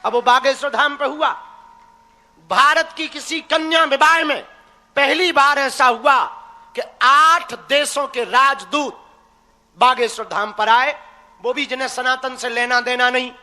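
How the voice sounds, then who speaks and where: A man's voice: very high-pitched, fairly even intonation, a little slow, bright, forceful tone. A young man preaching live to a crowd, teasing and folksy as he exhorts his listeners. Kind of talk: live religious discourse to a crowd. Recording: echoey hall reverb.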